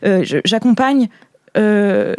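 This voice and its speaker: A woman's voice: medium pitch, expressive, takes it slowly, darkish tone, clear, resonant tone, no echo. A woman plays a helpful underground resistance man in an improvised sci-fi tabletop game. He is polite and flustered, stammering through his explanations in a mid-range voice, recorded close and dry. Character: hesitant, helpful clandestine man from a future resistance group.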